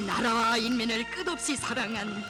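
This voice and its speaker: Casting: male narrator, North Korean accent, extremely high voice, reverent declamatory propaganda read over clear music. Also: moderate pace. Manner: reverent, solemn, emotive declamation. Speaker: documentary narrator. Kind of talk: scripted propaganda film narration.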